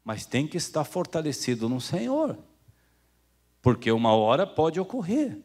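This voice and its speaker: A pastor with a Brazilian Portuguese accent preaches in a conversational style, calling his congregation "irmão" and acting out the voices of people he quotes. His voice is on the high side and sing-song, darkish in tone, at a moderate pace.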